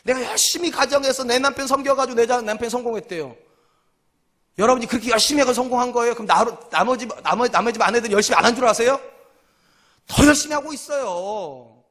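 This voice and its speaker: A male senior pastor preaches a sermon to his congregation in a very high-pitched, fairly bright voice at a quick pace. He poses rhetorical questions, repeats key lines for emphasis, and acts out quoted voices in short dialogues.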